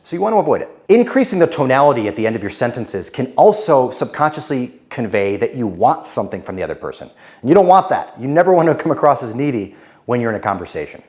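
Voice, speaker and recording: A male speaking coach gives an instructional talk to camera in a blunt, direct way. His pitch moves a lot from phrase to phrase. He lets it settle downward at the ends of sentences. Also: a little mellow.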